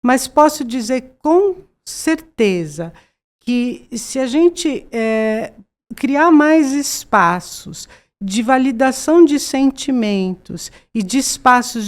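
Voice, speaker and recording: A Brazilian woman in her sixties, a psychologist guest, earnestly explaining ideas with many fillers and repeats. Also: fairly high pitch. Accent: Brazilian Portuguese. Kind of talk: conversational explanation.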